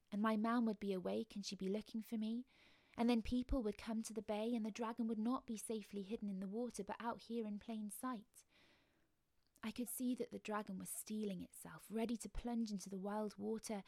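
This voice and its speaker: Woman reading a bedtime story, soft and hushed, gravelly low voice, dry close mic. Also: dry recording. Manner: soft and gentle, often dropping to a hushed whisper.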